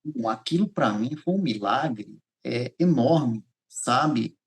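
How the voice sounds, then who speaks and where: Man, Goiás Brazilian accent, middle-pitched voice, podcast guest, animated storytelling, repeated phrases. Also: slow pace. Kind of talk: personal testimony in a podcast interview.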